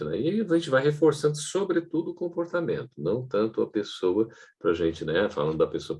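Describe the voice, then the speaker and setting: A man giving an online training lecture on public speaking to camera, in a lively teaching tone with frequent checking asides. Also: low-pitched, slightly rough.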